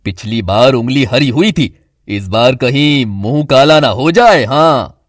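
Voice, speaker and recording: A man voicing a joking, easygoing older father-in-law in an animated family cartoon. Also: mid-range voice, a little slow, dry recording, clean studio sound, lightly acted. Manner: teasing, wisecracking.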